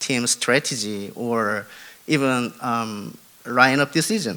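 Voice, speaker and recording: In a Korean accent, a man speaks at a very slow pace with a medium pitch. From South Korea, Busan. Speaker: journalist. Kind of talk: conference talk. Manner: halting, many fillers.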